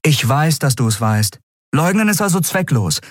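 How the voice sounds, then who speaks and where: Male narrator as a stern, blunt woman: raised pitch, demanding, husky edge. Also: sing-song, normal speed, dry recording, studio quality.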